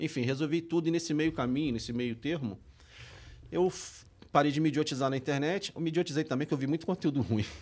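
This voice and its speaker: Talking at a very fast pace yet with long, frequent pauses, a man with a Rio de Janeiro accent uses a fairly high pitch and ordinary pitch variation. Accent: carioca. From Rio de Janeiro, Zona Norte. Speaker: rideshare driver. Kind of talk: casual chat. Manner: quiet.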